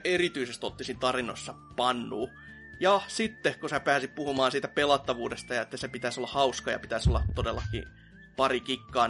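A man's voice: medium pitch, a bit bright. Ranting sarcastic man in casual chat. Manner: ranting, sarcastic, swears and laughs. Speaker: podcast co-host.

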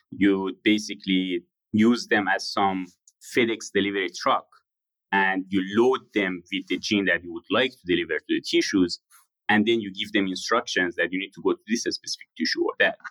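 A man, answering interview questions in a measured, explanatory way with frequent pauses. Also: sits low, sharp tone, no room sound, rough recording. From Iran. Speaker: guest founder.

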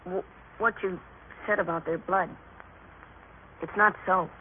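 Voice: medium pitch, fairly even intonation, a little slow, phone-quality sound, lightly acted. An actor playing an earnest, respectful young boy, a loyal son, in an old radio drama. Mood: puzzled, protesting. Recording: noisy, band-limited vintage radio recording.

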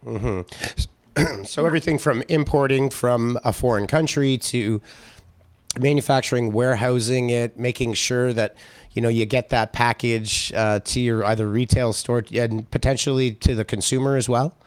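Slightly hoarse male podcast host. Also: mid-range voice, steady tone, moderate pace, dry recording. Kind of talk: casual interview chat.

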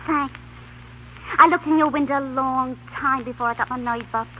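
A woman's voice: sits high, steady tone, moderate pace, phone-quality sound, natural voice. An actress playing a brassy, street-smart young American chorus girl, brash and slangy, in a 1930s radio comedy. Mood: hopeful, chatty. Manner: brash, slangy, plain-spoken. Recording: thin, noisy 1930s radio broadcast.

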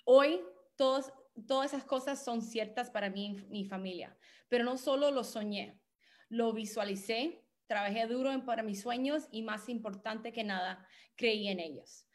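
Woman coach on a video call, bit high voice, keeps dropping english words into her spanish. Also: moderate pace. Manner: mixes English words into Spanish, self-deprecating about her Spanish. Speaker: guest speaker and business coach. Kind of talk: motivational training call. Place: home office.

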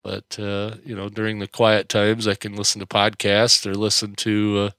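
A man's voice: fairly low pitch, monotone, normal speed, a bit bright, no echo. A middle-aged American man chatting casually on a solo podcast, rambling and hesitant in a folksy way, slightly nasal from mild congestion. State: mildly congested. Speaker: podcast host.

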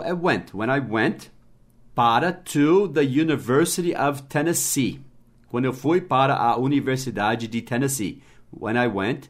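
Man, podcast English teacher, patient, spells letters, mid-pitched voice. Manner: slows down to model English phrases, adds tag questions. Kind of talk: casual podcast lesson.

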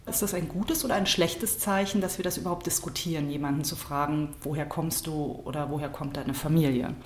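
A woman's voice: sits low, a little fast. A woman radio interviewer asking direct, concise questions. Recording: roomy studio echo.

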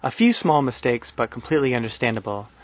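Guy hosting a language podcast, easygoing, middle pitch, kinda dull dry sound. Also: animated, quick pace, dry recording. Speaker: podcast host. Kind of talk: casual podcast talk.

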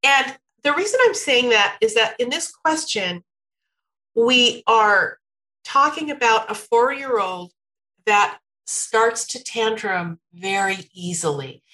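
A woman giving parenting advice in a relaxed conversation, laughing often and slipping into a sing-song tone when acting out what parents can say. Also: fairly high pitch, takes it slowly, low-quality recording. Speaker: parenting expert guest.

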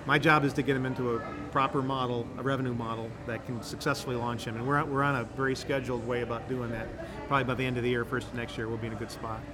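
A man's voice: medium pitch, little pitch movement, rapid-fire. A man from the Midwest, a guest on a podcast, explaining at length in a rambling, enthusiastic way with frequent restarts. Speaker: guest, incubator director. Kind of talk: casual podcast interview.

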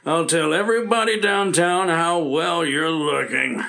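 A jovial middle-aged office colleague in an old radio drama. His voice is gravelly and bright, pitched a little high. He drawls slowly and chuckles between lines. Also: full character voice. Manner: jovial, slow-talking, chuckling. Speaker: visiting co-worker. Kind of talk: 1950s radio acting.

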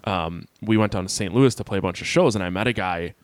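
Low-voiced joking man with a Wisconsin accent. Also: fast talker, no echo. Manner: crude, joking storyteller. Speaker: podcast co-host. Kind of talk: casual podcast chat.

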